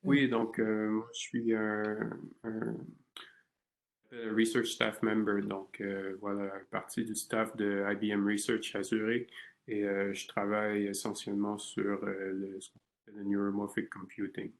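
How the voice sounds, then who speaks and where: A man's voice: fairly low pitch, completely flat delivery, unhurried, low-quality recording. A man from Canada in his thirties, a research scientist answering interview questions, talking hesitantly with many fillers and restarts.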